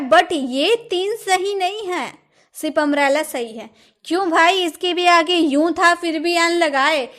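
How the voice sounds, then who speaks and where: A woman's voice: high voice, a bit bright. A woman teaching English grammar for exam prep. She asks the class questions, answers them herself, and stresses key words by repeating them.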